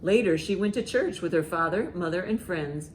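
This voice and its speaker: A woman hosting a children's storytime, reading aloud and reciting rhymes with expressive, deliberate emphasis. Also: on the low side, a little hiss or hum. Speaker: library storytime host.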